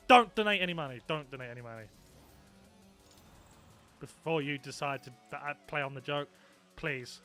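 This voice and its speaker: A man's voice: fairly high pitch, moderate pace, long pauses, pushed and bright, faint music behind. A young man chatting casually on a live stream, swearing freely and reacting to his viewers. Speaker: gaming streamer.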